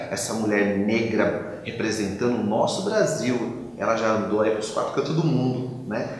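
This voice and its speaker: A man at a moderate pace with hardly any pauses, with audible room echo and light background noise. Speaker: TV interview host. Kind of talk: TV talk show hosting. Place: studio.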